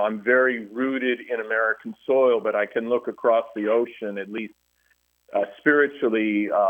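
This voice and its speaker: A middle-aged man, a historian, speaking earnestly by phone in a radio interview, often restarting his sentences. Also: on the low side. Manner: earnest, halting with many restarts. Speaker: guest historian. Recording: tinny phone line.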